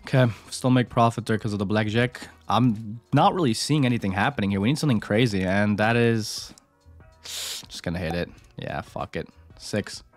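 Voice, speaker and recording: A man's voice: lowish voice, normal speed, soft background music. A man streaming casino games, talking casually and swearing as he comments straight to his viewers. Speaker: gambling streamer. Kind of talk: casual commentary while playing.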